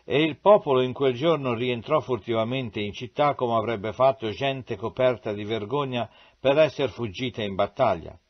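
A man reading scripture aloud with measured, solemn delivery. His voice sits at a middle pitch. The recording has a dull, lo-fi sound. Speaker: Bible reader.

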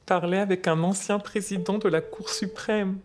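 A woman's voice: mid-range voice, steady tone, normal speed, a little mellow, a little hiss or hum, close to an everyday voice. A woman in her sixties playing a grandmother who patiently explains wartime history to her granddaughter in scripted French dialogue. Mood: excited. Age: 60s. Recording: faint music behind.

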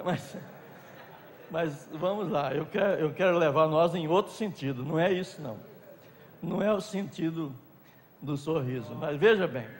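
Brazilian preacher with a lively, high voice. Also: male voice. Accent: Brazilian Portuguese. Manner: preaching with dramatic swings between loud outbursts and soft asides, drawn-out words. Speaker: pastor. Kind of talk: sermon. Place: large hall at a pastors' conference. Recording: long hall reverb.

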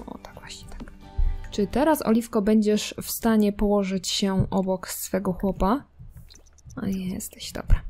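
A woman's voice: mid-range voice, warm tone. Chatty woman teasing her game characters. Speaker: gameplay streamer. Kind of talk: casual commentary while playing a life simulation game.

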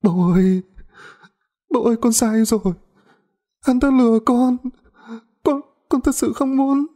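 A man's voice: extremely high pitch, unhurried, warm tone, pitched above the performer's own voice. A man voicing a frightened, pregnant young daughter who stammers and pleads through sobs. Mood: pleading.

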